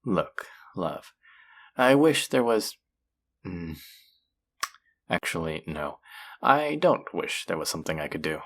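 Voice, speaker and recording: A man voicing a flirty, possessive demon casino worker in a roleplay audio drama, teasing and taunting with seductive, drawn-out phrasing. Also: sits low, big pitch swings, a bit bright, full character voice. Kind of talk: scripted roleplay audio drama addressed to the listener.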